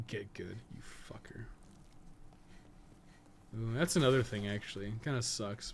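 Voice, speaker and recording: A man's voice: mid-range voice, slight background noise. A man doing casual live-stream gaming commentary, thinking aloud in a rambling, slangy way with plenty of swearing and joking. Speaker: game guide streamer and podcast host.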